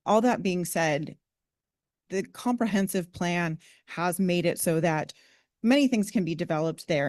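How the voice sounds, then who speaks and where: A woman speaking formally at a public meeting, explaining her points in a measured way. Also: fairly low pitch, darkish tone, dry recording, studio quality.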